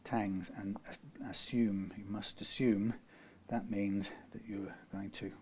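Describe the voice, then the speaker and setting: A man's voice: on the low side, steady tone, takes it slowly, a little mellow, breathy edge. A man from the UK working through a guitar repair, talking in a rambling way, correcting himself and dropping dry asides. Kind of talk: workshop how-to narration.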